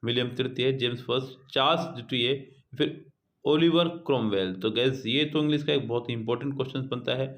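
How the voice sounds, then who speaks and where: A man with a mid-range voice teaches an exam prep lesson, reading each English question out slowly before explaining it in Hindi. He calls his students guys and children.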